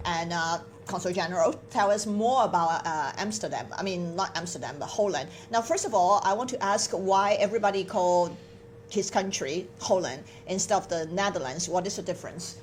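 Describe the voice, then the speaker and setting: A woman's voice: lowish voice, moderate pace, slight background noise. A woman with a Hong Kong accent, a native Cantonese speaker, hosting a livestream interview in an informal conversational way. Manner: informal, switches between languages. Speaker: interview show host.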